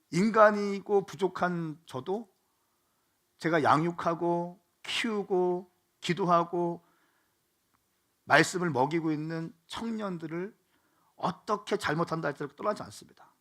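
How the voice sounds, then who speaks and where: High, bright-voiced Korean pastor preaching. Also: male voice. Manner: builds from quiet, slow pleading to loud, fervent exhortation. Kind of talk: sermon.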